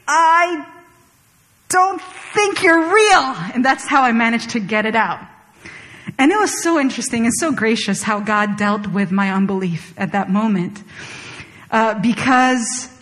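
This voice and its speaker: A young adult woman from Chile preaching a sermon, telling a personal story in a conversational, animated way with casual fillers. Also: medium pitch. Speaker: pastor. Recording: long hall reverb.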